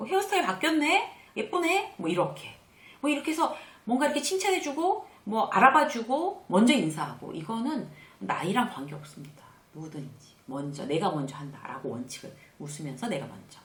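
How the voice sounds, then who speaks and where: Brisk and barely pausing, this middle-aged channel host and workplace lecturer gives a relaxed talk on office etiquette. She livens it up by performing example greetings in a brighter, higher voice. Her recording carries the echo of a large room.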